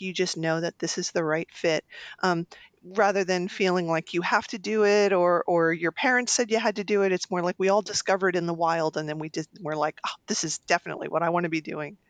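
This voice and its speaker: A woman's voice: fairly low pitch, fairly even intonation, brisk, no room sound. A woman hosting a podcast, interviewing in a casual, conversational way.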